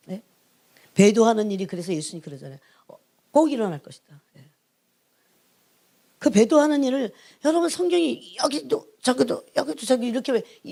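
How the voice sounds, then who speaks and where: A middle-aged woman, an evangelist, preaching an emphatic sermon that keeps prodding her listeners and drops to hushed asides. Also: medium pitch, creaky. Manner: emphatic, prods the congregation with repeated "예?"; swings between raised emphasis and hushed asides. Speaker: church evangelist, prayer team leader.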